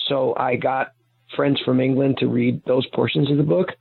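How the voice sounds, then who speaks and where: A guest author who is also a private investigator speaks over a phone line in a phone-in interview. He explains things at length in a rambling way, with many restarts and self-corrections. His medium-pitched voice is husky with vocal fry, steady in tone, at a normal speed.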